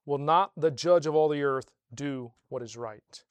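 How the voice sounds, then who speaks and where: A man preaching a sermon to a congregation, asking rhetorical questions and slowing down to stress key phrases. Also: on the high side, clear, resonant tone, dry recording. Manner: swells louder on key phrases, slows for emphasis. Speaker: pastor.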